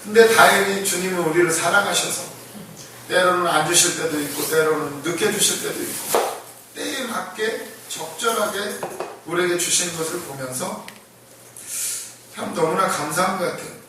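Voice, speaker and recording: Animated preacher in an echoey church. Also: male voice, sits high, moderate pace, background noise. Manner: animated, acts out the blind men's shouting, laughs often. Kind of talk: conversational sermon. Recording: echoey room, voice from far off the mic.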